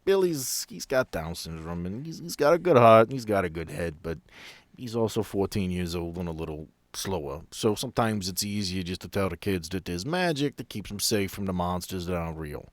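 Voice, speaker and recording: A man voicing a gruff, plain-spoken hospital guard in a tabletop game, folksy and matter-of-fact. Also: low-pitched, expressive, a little fast, no echo. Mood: blunt, dismissive.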